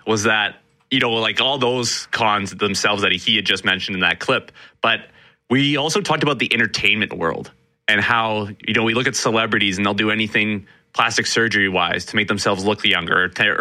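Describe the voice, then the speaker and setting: A man's voice: on the low side, brisk. A man reporting on a radio talk show, talking casually and animatedly with rambling asides. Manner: animated, laughs easily, rambling.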